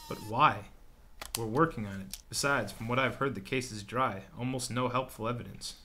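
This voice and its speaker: A woman's voice: extremely low pitch, moderate pace, pushed and bright, a little hiss or hum. A woman playing a wary, grudging police officer in a sci-fi radio drama, speaking in a dry, sarcastic manner. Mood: wary, reluctant.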